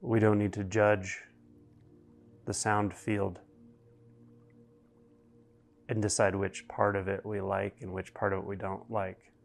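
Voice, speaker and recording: A man guiding a meditation, speaking slowly and deliberately with long pauses between phrases. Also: on the low side, level tone, gravelly, soft background music. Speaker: meditation guide. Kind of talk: guided meditation narration.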